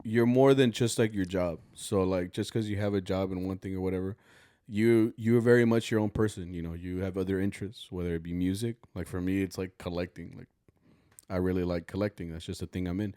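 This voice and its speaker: A man's voice: low voice, steady tone, a little fast, warm tone, dry recording, clean studio sound. A young man co-hosting a podcast, chatting easygoing and talkative, rambling with fillers. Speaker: podcast co-host. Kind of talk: casual podcast chat.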